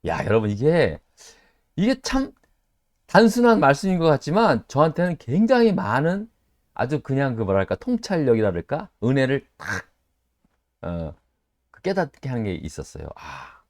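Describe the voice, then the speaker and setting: A middle-aged man pastor leading a Bible study sermon, speaking in an animated way, asking his listeners rhetorical questions and acting out quoted voices. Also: normal speed, no room sound, studio quality. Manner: acts out quoted voices with sudden jumps in pitch.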